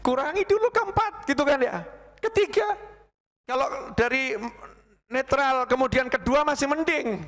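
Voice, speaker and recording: A man preaching a sermon, murmuring softly as he acts out prayers and rising to emphatic bursts. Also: very high voice, unhurried. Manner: drops to hushed murmurs acting out prayers, rises to emphatic shouts. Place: mosque hall. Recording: long hall reverb.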